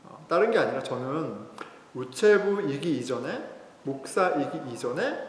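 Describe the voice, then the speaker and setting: A male pastor delivers a sermon as if chatting with his congregation, sharing a story from his own week. His voice sits a little high for a man and moves freely up and down. The sound carries a roomy, echoing reverb from a church hall. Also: sing-song, a little slow. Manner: conversational, telling a personal story. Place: church sanctuary.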